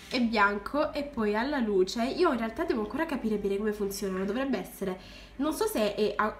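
A young woman who runs a crafts channel, gushing with excitement as she unboxes supplies for viewers. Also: mid-range voice, reverberant. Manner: gushing, keeps exclaiming in delight.

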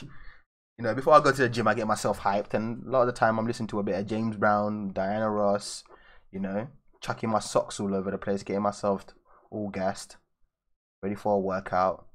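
A man's voice: fairly low pitch, fairly even intonation, moderate pace, pauses often, fairly bright tone. A young man with a London accent, chatting casually with viewers in a live stream as he draws at his desk. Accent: London English. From raised in London, England. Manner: loose and chatty, answering viewers. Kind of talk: casual live-stream chat while drawing. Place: indoors at a drawing desk.

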